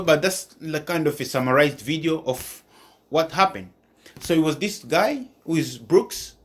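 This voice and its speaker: Male channel host, somewhat high pitch, informal commentary, repetitive phrasing.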